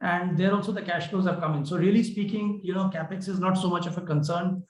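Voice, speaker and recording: A man with an Indian accent answering questions as a company executive on an earnings call, explaining in a measured, hesitant way. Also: high-pitched, steady tone, slight background noise. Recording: roomy, echoing conference call.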